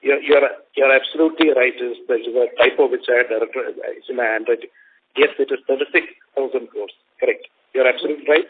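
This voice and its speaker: A man with an Indian accent answering questions as a company executive, speaking formally and haltingly in measured phrases. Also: mid-range voice, steady tone, breathy edge. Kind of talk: earnings call answers. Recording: narrow phone line with faint noise.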